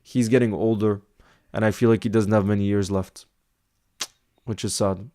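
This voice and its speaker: A man's voice: on the low side, fairly even intonation, moderate pace, warm tone. A man hosting a casual football live stream, answering viewer comments in a chatty, thinking-aloud way with small restarts.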